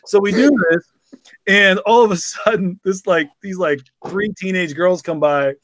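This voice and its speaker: A man hosting a podcast, chatting casually and telling anecdotes in a joking, animated way. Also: sits high, normal speed, no room sound, low-quality recording. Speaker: podcast host.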